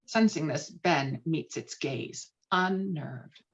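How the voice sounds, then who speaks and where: A woman's voice: low voice, slow pace. Dull-sounding woman narrating a script. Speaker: narrator reading stage directions. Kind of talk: scripted narration at a virtual table read. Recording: dull, lo-fi call audio.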